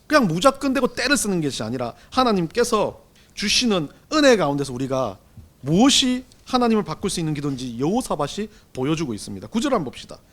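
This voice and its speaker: A middle-aged man preaching a Sunday sermon as pastor, swinging between loud and hushed delivery. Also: sits high, very animated, quick pace. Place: church sanctuary.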